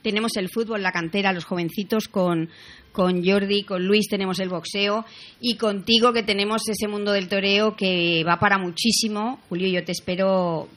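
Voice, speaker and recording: A woman's voice: medium pitch, steady tone, moderate pace, a bit bright. A woman hosting a radio show, effusive and enthusiastic as she praises her guest. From Spain. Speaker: radio host. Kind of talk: casual radio chat.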